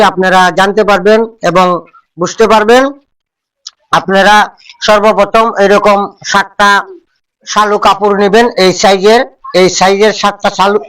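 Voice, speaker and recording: A man with a high voice and a narrow, flat melody teaches a folk-healing ritual step by step. He goes back over each instruction again and again as he demonstrates. His voice sounds a little distant from the microphone. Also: smooth.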